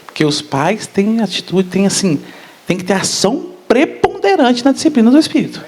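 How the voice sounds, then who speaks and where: A man's voice: high-pitched, moderate pace. A man giving a spiritist public lecture, often asking the audience questions. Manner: asks the audience questions, animated.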